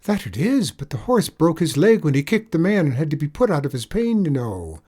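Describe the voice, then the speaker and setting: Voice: medium pitch, sing-song, brisk, a little mellow, slightly rough, pitched above the performer's own voice. A storyteller voicing a sly, wheedling male leprechaun with an Irish accent, spinning a pitiful tale in a storybook reading.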